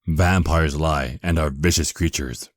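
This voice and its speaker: A man's voice: extremely low pitch, fairly even intonation, unhurried, no echo, studio quality. A man playing a proud, defensive archangel in a fantasy audio drama, haughty and formal in manner. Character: proud, defensive male archangel who despises vampires.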